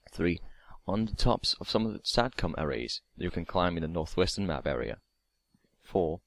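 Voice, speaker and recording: A man's voice: low-pitched, a little mellow, no room sound. A man reading a scripted creepypasta story aloud as narrator, now and then stumbling over and repeating words. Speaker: narrator of online horror stories.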